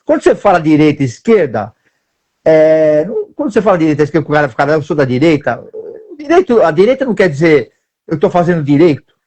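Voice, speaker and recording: Animated, quick-talking host. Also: male voice, fairly high pitch. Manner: animated, interjecting. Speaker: interview host. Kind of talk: conversational interview hosting.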